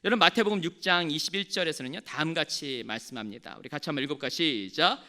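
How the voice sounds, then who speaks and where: A man's voice: a little high, quick pace, sharp tone. A male pastor delivering a sermon, telling stories with animation and calling on the congregation to respond.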